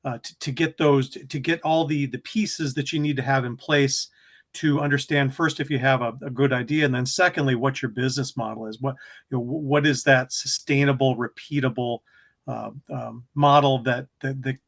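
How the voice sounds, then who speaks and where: A man's voice: mid-range voice, steady tone, normal speed, vocal fry. A man hosting a workshop broadcast, encouraging, with frequent restarts. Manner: encouraging, many fillers and restarts. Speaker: host.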